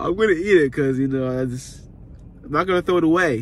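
The recording has light background noise and a dry sound with no echo. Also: man. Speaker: delivery driver vlogger. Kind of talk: casual vlog chat. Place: car. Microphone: phone near.

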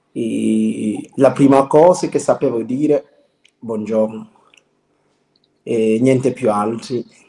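Someone with a non-native accent speaks at a very slow pace, with long, frequent pauses. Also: man. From outside Italy. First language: not Italian (speaking Italian). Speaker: guest. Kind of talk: casual chat. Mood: amused, relaxed. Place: home room. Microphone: video call.

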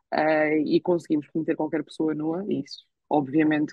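Against a quiet background with a dry sound and no echo, a woman speaks fairly quickly in a very deep, low pitch with monotone, flat intonation. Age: 20s. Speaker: victim advocacy association founder; webinar panelist. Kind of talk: panel discussion. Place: home room. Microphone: video call.

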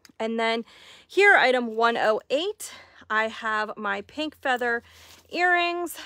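Against a quiet background, a woman with a high-pitched voice and lively intonation is heard in a dry recording with no echo. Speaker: boutique sale host. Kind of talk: live sales pitch. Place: shop.

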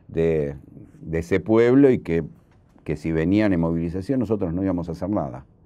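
Very deep and low, this man's dark, mellow voice moves at a moderate pace with lively intonation. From Buenos Aires, Argentina; Argentina. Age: 60s. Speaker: former political activist, survivor of detention. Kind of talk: oral history testimony interview. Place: studio. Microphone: lapel.

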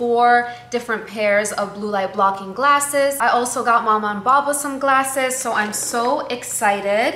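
Audible room echo and light background noise surround a woman's voice. She speaks at a moderate pace with ordinary pitch variation. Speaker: lifestyle vlogger. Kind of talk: casual vlog chat. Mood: excited, cheerful. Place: kitchen. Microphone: camera far.

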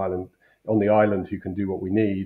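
Speaking in a London accent, a man with a fairly low pitch is heard against a quiet background. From London, England. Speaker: whiskey distillery founder; guest. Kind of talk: casual chat. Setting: video call. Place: home room.

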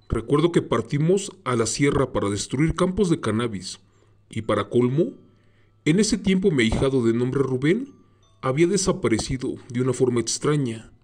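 This man has an unremarkable speaking voice, medium in pitch, with lively intonation. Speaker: horror story narrator. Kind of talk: scripted narration of a horror tale told in first person. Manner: slow, solemn, ominous storytelling.

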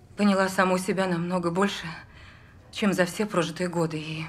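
A woman's somewhat breathy voice at a moderate pace, with fairly even intonation. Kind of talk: scripted drama dialogue. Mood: calm, composed, slightly sad. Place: hall.

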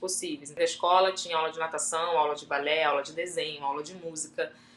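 Over light background noise and audible room echo, a woman speaks in a fairly low pitch with fairly even intonation. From Rio de Janeiro, northern suburbs (Brás de Pina); Rio de Janeiro. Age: 30s. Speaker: actress, dancer and activist; actress. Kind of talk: interview. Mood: reflective, calm. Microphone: video call.

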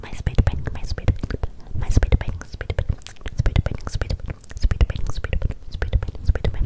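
A woman is whispering. She leaves long, frequent pauses. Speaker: ASMR creator. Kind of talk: ASMR mouth sounds and spit painting. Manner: fast talking. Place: home room. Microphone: studio mic.

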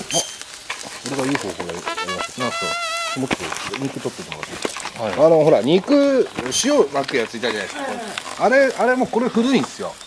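Backed by music, the delivery comes at a fairly quick pace. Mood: amused, jokey. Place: open country.

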